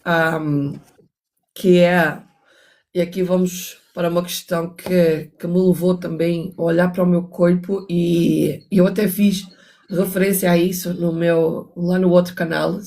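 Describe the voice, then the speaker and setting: A woman's voice: lowish voice, level tone, unhurried, dark tone. An older woman, hosting a reflective book discussion, musing and moralizing as she goes. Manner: musing, restarts often, moralizing asides. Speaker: host reading and analyzing a book.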